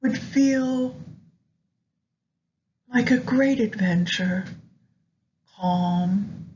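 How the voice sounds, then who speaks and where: A woman narrating a guided meditation in a gentle, soothing, unhurried manner with long pauses. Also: medium pitch. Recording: dull lo-fi audio with background noise.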